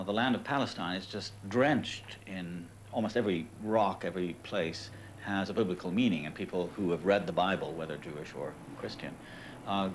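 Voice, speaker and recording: A man speaking slowly and hesitantly in an interview, with many fillers. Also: low-pitched. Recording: noisy background hiss.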